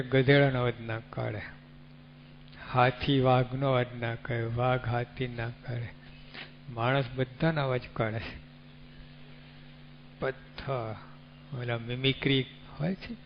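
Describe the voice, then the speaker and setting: A religious speaker delivers a devotional sermon slowly, at medium pitch and unhurried, teaching through rhetorical questions and animal examples. The recording is dull and lo-fi with a faint hum.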